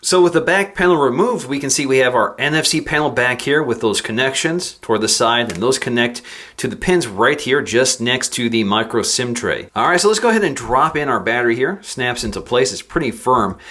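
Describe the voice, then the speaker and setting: A man reviewing tech, calmly explaining each step of a phone unboxing as he goes. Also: medium pitch, brisk. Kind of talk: product unboxing walkthrough.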